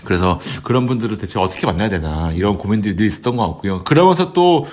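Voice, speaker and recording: A man in his thirties talking casually as a co-host in a relaxed two-person conversation. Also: lowish voice, fast talker. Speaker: podcast co-host.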